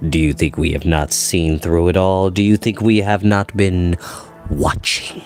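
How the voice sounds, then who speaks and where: Man voicing a deep, slow, cold storybook villain. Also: fairly even intonation, soft background music. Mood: quiet menace. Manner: slow, deliberate, softly conversational menace. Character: tall, cold, menacing man, quietly sinister villain. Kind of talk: dramatic audiobook character reading.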